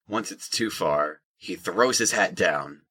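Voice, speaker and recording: A man's voice: deep voice, expressive, slow pace, sharp tone, breathy edge. A man narrating a scripted audio drama in the third person.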